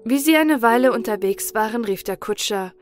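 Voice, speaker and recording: Calm woman reading a fairy tale. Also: on the high side, normal speed, faint music behind. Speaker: narrator. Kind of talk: scripted fairy-tale narration.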